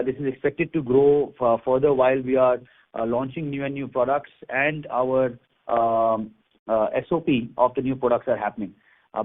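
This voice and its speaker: A man with an Indian accent answering as a company executive on an earnings call, in halting, measured business talk. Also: medium pitch. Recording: phone-like conference call line.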